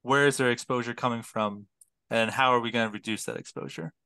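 A young man on a video call explains his research through a headset, careful and detailed, often pausing on fillers. His voice is bright and crisp. The sound is dry and close. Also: medium pitch, steady tone, no room sound. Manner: detailed, precise, many fillers and restarts. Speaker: public health PhD student, guest. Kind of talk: explanatory interview talk.

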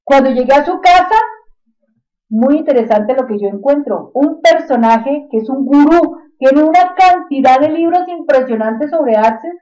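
High-voiced Colombian woman instructor, mellow. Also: expressive, normal speed, poor audio. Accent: Colombian, Bogotá. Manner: emphatic, repeats phrases for stress, addresses listener directly. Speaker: online software instructor. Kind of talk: informal motivational talk to students in a screen-recorded tutorial.

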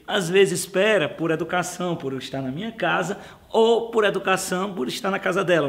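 A man doing a comic monologue about married life to camera, animated and jokey. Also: high voice, vocal fry. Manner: animated, jokey, exaggerated complaining. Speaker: co-host of a couples channel.

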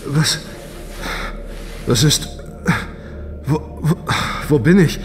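A man's voice: a little high, very slow, background noise. A man playing a confused, self-doubting young husband and space traveller in a science fiction audio drama, stammering with emotion. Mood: confused, agitated.

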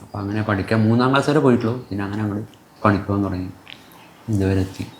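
A man's voice: on the low side, fairly even intonation, quick pace, a little mellow. A nineteen-year-old man, a vlogger answering interview questions in rambling, self-correcting sentences with many fillers. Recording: echoey room with faint background noise.

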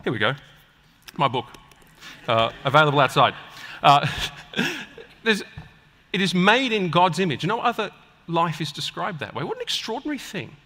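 A man preaching a sermon to a live audience with an emphatic, deliberate delivery and rhetorical pauses, in a large hall. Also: fairly high pitch, very animated, sharp tone. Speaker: preacher and guest speaker at a church conference. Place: large indoor auditorium, speaking on stage. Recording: echoey large hall with long reverb.

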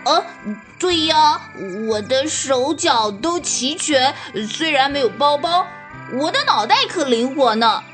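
An actor plays an upbeat, clever small animal in a children's radio drama. The high voice sounds eager and a little boastful over clearly audible music. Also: lively intonation, slow pace. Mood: eager, proud.

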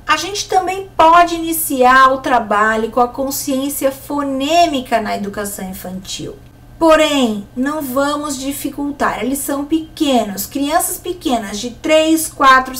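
A woman with a Brazilian Portuguese accent giving a recorded lesson to educators, explaining classroom games clearly and with lively pitch swings. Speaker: teacher giving an online course.

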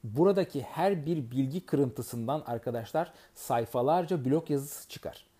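A man with a mellow, warm voice speaks to his audience as a network marketing trainer. He talks in an earnest, advising way at a middle pitch. He often pauses with fillers and starts words over. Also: breathy edge. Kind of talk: advice monologue to an audience.

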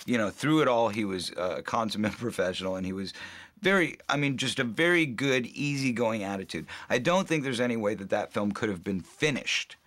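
A man, an actor looking back on making a film in a relaxed interview, chatty and quick to laugh, acting out what others said. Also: on the low side, no room sound. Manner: chatty, laughs often, acts out quoted people.

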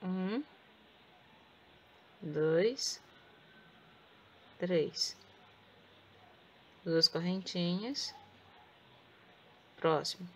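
A woman with a Brazilian Portuguese accent teaching crochet step by step. She speaks softly with a sore throat and counts stitches aloud. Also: lowish voice, a little hiss or hum. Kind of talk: step-by-step craft tutorial.

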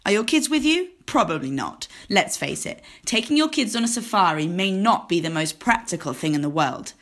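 A woman's voice: mid-range voice, very animated, moderate pace, a bit bright. Woman reading scripted advert narration. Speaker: voice-over artist.

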